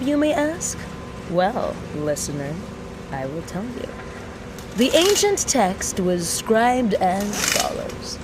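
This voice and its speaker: A sardonic mechanic, sci-fi audio drama monologue, wry, mock-solemn, theatrical pauses, medium pitch, noisy background. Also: female voice. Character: sardonic, rambling young female mechanic in an underground resistance.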